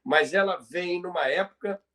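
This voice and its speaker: On a conversational podcast offering radio history commentary, a co-host with a Brazilian accent speaks emphatically and repeats phrases for effect. His voice is high-pitched, pushed and bright, at normal speed.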